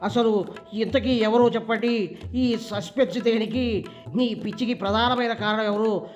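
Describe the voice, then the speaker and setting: A man with a high voice hosts a mocking comedy show, teasing in a sing-song tone. His voice-over sounds dull and lo-fi. Music plays clearly behind him. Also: steady tone, normal speed. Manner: teasing, sing-song, keeps tacking on a fond "babu". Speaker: satirical show host.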